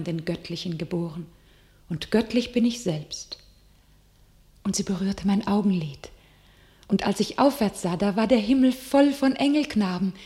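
An actress playing a young, pious visionary warrior maiden in a classical verse radio play, solemn and declamatory. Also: female voice, medium pitch, a little mellow, reverberant, close to an everyday voice. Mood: fervent, prophetic.

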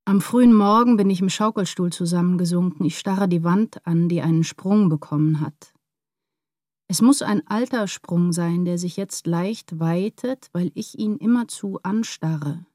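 An actress playing an anguished, brooding woman writer in a literary radio drama, speaking in an introspective, measured way. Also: on the low side, darkish tone, no room sound, clean studio sound.

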